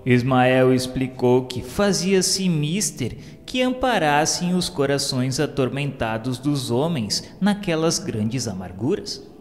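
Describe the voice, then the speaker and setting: A man with a Brazilian accent reading scripted religious narration for a radio drama in a solemn, formal, measured way. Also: medium pitch, sing-song. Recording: long reverb, music underneath. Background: music.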